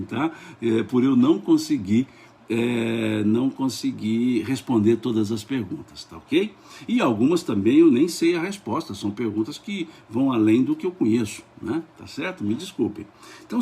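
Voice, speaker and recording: A Brazilian man teaches a Spiritist study session in a husky, hoarse voice that sits at an ordinary middle pitch. He drifts between soft, chatty asides and slow, lifted, emphatic reading of the passage. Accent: Brazilian Portuguese. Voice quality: hoarse after vocal cord surgery. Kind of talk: live study lesson reading and commenting a text.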